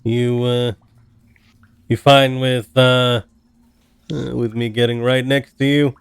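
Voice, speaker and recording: Man playing a hesitant, slow-talking adventurer. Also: mid-range voice, darkish tone, clean tone, dry recording. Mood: cautious, placating. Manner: hesitant, halting, placating. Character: cautious, conciliatory adventurer addressing a dragon.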